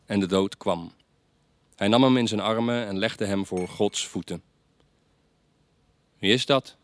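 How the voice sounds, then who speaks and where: Low-voiced man reading stories aloud. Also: fairly even intonation, dry recording. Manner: measured, lightly chatty between pieces. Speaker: reader at a reading night.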